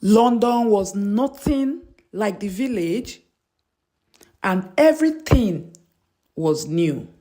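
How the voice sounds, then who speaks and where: A woman narrating a scripted story in a measured, dramatic storytelling manner. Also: medium pitch, lively intonation, mellow, dry recording.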